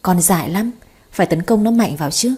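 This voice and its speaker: A woman's voice: on the low side, lively intonation, a little fast, mellow, husky. A woman voicing a blunt, worldly older mother who coaxes and schemes, read in an audio story. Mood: coaxing. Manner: blunt, coaxing.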